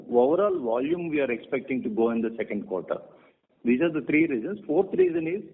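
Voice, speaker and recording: A company executive, a man with an Indian accent, answers questions over a dull conference line. His pitch moves around a lot and his voice is husky. He speaks haltingly and sets out his points one at a time. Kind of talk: answering questions on an earnings call. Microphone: conference call phone. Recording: muffled narrowband conference call line.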